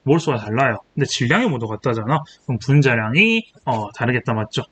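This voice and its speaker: A young man in his twenties tutors chemistry, walking through exam problems in a lecture and thinking aloud as he writes, with rhetorical check-in questions and self-corrections. His mid-range voice is expressive, fast and a bit bright, with faint hiss on the recording.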